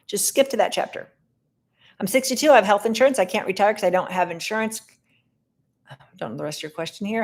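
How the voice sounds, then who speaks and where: A middle-aged woman hosting a casual live Q&A, answering viewer questions in a brisk, direct way. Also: fairly low pitch, darkish tone.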